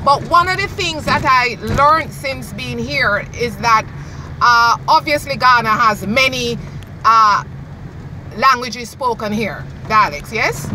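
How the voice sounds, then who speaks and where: A woman with a Jamaican accent, vlogging casually from the back of a moving car and talking to her viewers. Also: fairly high pitch. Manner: slow, chatty, addresses viewers directly. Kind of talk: casual vlog talk. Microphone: phone camera in the car. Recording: car and road noise, distant mic.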